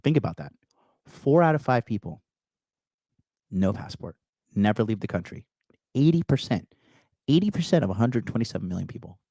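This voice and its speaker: A man's voice: fairly low pitch, big pitch swings, normal speed, long pauses, dark tone, no room sound. A man hosting a reaction show, commenting bluntly and mockingly on a played clip.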